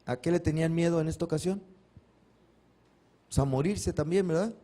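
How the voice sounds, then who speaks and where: Male pastor, sermon, fairly high voice, quizzes the congregation. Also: moderate pace, dark tone. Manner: asks the congregation questions and answers them himself; acts out biblical cries dramatically. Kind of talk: Sunday sermon.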